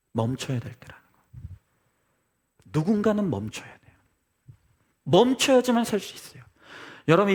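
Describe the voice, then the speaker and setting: A male pastor delivers a Sunday sermon in church, leaning on rhetorical questions and direct address to the congregation. His voice sits high for a man and swings widely in pitch as he preaches with earnest conviction. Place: church service.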